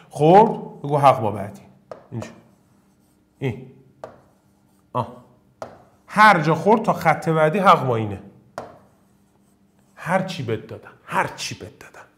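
Male math teacher, exam-prep lesson, raised pitch, playful, volume swings from shouting to muttering. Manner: animated, jokey, swings between loud bursts and low muttering.

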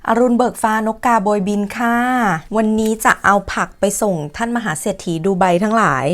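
A woman's voice: medium pitch, steady tone, moderate pace. A young woman from Thailand chatting casually in a vlog, playful and joking, with cheeky slang. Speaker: vlogger.

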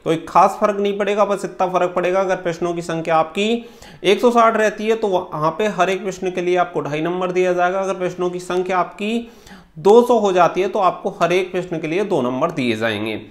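High-pitched man, explaining. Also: a little fast. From India. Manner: instructional, mixes in English words. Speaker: exam-prep coach and channel host. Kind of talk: explanatory talk to camera for exam candidates. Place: small room indoors.

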